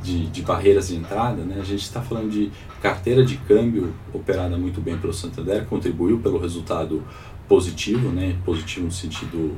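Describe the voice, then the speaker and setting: A Brazilian man gives informal live market commentary in a low, dark voice. He sounds stuffed up and sore-throated, like someone with swollen tonsils and a cold. He is picked up from a little way off the mic. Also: a little fast. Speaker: host of a live financial morning call. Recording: distant mic with faint background noise.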